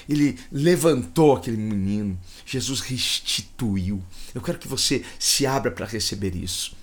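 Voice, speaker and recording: A male preacher with a Brazilian accent delivers a livestreamed sermon. He preaches fervently, repeating phrases as his voice swells with emotion. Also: medium pitch. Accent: Brazilian Portuguese.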